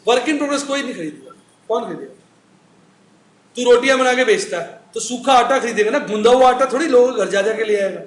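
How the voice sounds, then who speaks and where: A man's voice: extremely high pitch, fairly quick. A middle-aged man teaching accounts in a recorded classroom lecture, chatty, asking the class questions and answering them himself. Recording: echoey room with faint noise.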